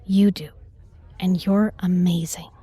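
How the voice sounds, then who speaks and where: A woman's voice: on the low side, fairly even intonation, slow, dark tone, slightly rough, dry recording, heavily acted. A woman acting a self-assured, protective starship doctor in a sci-fi audio drama, composed and pointed in her delivery. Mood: tender, protective.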